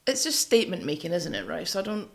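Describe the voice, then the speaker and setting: A woman co-hosting a music podcast, chatting casually in a measured way as she weighs both sides. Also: fairly low pitch, animated, vocal fry.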